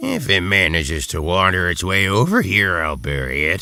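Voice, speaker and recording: A man's put-on character voice, rumbling, at a moderate pace. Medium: video game. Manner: sarcastic, grumbling.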